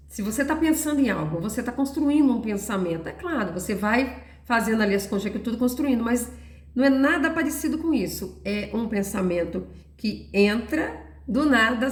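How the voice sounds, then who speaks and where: A woman's voice: mid-range voice, a little mellow. Earnest woman sharing faith, roomy echo. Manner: earnest, storytelling, frequent "né". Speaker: Christian devotional speaker. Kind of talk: personal testimony talk.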